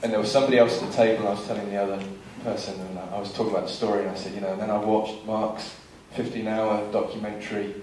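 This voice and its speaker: A man in his forties speaking as a filmmaker at a seminar, picked up from across a very echoey hall with faint background noise. He tells stories in a lively way and slips into other people's lines as he goes. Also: on the low side, fast, few pauses, far from the mic. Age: 40s. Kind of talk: anecdotal seminar talk.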